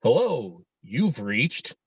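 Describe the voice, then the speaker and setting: A man playing the recorded greeting of a household answering machine, husky-voiced, in a script read-through. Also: mid-range voice, big pitch swings, very slow, dry recording, lo-fi sound, exaggerated voice. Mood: formal.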